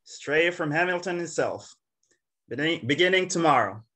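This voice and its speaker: A man voicing an excited male messenger who announces a wage raise to miners at a table read. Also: fairly high pitch, moderate pace, voice pushed up.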